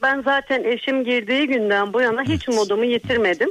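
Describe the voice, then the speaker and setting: A woman with a high-pitched voice talks at a moderate pace, her pitch varying in an ordinary way. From Artvin, Turkey. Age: under 51. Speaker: caller, wife of a prisoner. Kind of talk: emotional phone call to radio show.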